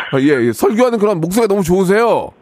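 A male radio host running a call-in segment, teasing callers with quick deadpan verdicts. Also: high-pitched. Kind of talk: lively radio call-in banter. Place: radio studio. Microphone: studio microphone.

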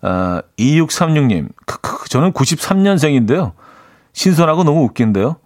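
A man's voice: a little high, sing-song, moderate pace, darkish tone, dry recording. A man hosting a radio show in a casual, chatty way, laughing at his own jokes and reading out listener messages in a studio. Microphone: studio microphone.

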